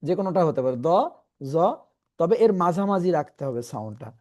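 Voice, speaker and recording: A man teaching Quran reading in an online class, patiently explaining and slowly repeating letter sounds for his students. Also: a little high, lively intonation, mellow.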